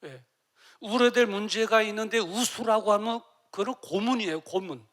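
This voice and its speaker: A middle-aged man preaching a sermon as pastor, emotional, dropping to near-whispers and rising to loud cries as he acts out tearful prayers. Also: high voice, normal speed. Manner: emotional, swings from soft to loud.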